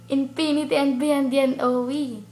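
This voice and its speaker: High-voiced young Filipina fan, echoey room. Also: female voice, flat delivery, unhurried, a little mellow, a little hiss or hum. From Philippines. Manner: playful, sings and calls out hellos to a list of names. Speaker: fan sending a video greeting. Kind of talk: casual fan video message with sung parts. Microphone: phone or handheld camera.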